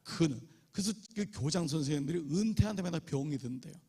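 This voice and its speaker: A male pastor delivers an emphatic revival sermon in a church sanctuary. His voice sits a little high, with a gravelly, husky edge. He drops into acted quotes now and then. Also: lively intonation, fast, warm tone.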